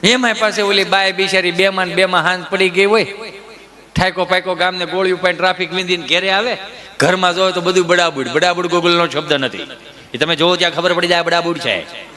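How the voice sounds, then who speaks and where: A man's voice: high voice, fairly quick. A man doing live stand-up comedy, animatedly telling stories and acting out family scenes. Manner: animated storyteller who acts out family scenes. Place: stage before a live audience. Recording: live show with loud audience laughter. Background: audience laughter.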